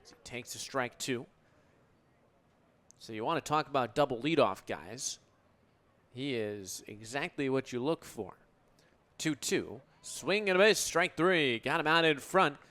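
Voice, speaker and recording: A man's voice: mid-range voice, animated, unhurried, long pauses, a bit bright. A young American man in his twenties calling a game live as a radio play-by-play broadcaster. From United States. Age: 20s. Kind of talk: live sports radio commentary. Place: at live sports venues. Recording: crowd and gym noise behind. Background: crowd, ambient game noise.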